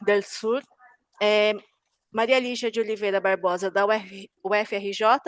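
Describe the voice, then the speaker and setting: A woman's voice: mid-range voice, level tone, normal speed, no room sound. A woman moderating an online academic session, polite and brief as she hands over to the speaker. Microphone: video call.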